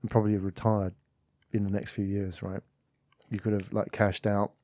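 A man's voice: lowish voice, level tone, moderate pace, warm tone, no echo. A man hosting an interview podcast in a studio, asking long, rambling questions and backing his guest with frequent murmurs. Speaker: podcast host.

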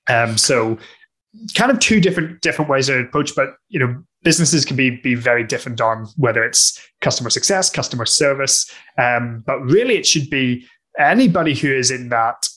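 Bright-voiced Northern Irish man. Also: medium pitch, animated, brisk. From Northern Ireland. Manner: thoughtful, many fillers and restarts. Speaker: guest discussing customer success. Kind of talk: conversational interview answers.

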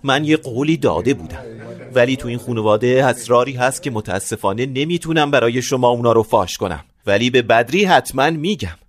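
A man's voice: medium pitch, lively intonation, dry recording, natural voice. A man playing a stingy scheming father. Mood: pleading, bitter. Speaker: father of the bride. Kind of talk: radio play acting.

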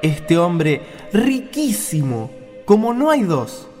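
An Argentine man acts out a measured Argentine teacher telling a parable in an amateur radio play. His high male voice moves slowly and with wide swings in pitch. It rings in long reverb. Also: big pitch swings, a little mellow, full character voice. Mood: measured storytelling. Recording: long reverb, music behind.

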